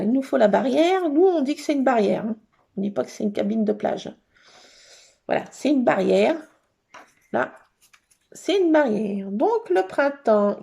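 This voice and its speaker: A woman hosting a casual craft session, chatting to her viewers and thinking aloud as she works, with sudden bursts of excitement. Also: fairly high pitch, gravelly. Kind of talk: casual craft tutorial chat.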